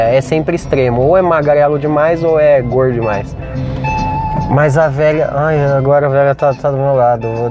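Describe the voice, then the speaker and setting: Male podcast host, high voice, jokey in-car monologue, faint music bed. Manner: rambling, jokey, narrating what he sees. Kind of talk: casual rambling monologue. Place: inside a car with windows closed.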